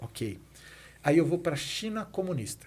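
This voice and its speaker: A man talks with a plain, everyday voice at a fairly high pitch. His intonation is lively. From São Paulo, Brazil. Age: 50s. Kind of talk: podcast interview.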